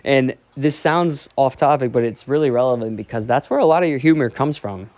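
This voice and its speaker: A young man, a streamer, candidly rambling and ranting while he walks around a dark basement talking into his phone, swearing freely and filling with "like". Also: mid-range voice, a little fast, no room sound. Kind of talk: casual rambling monologue. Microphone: phone held while walking.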